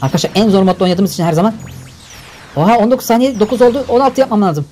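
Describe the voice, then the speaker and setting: A young man giving energetic, exclamatory gameplay commentary for a video. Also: high-pitched, very fast, faint music behind. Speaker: gaming YouTuber. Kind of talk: excited game commentary.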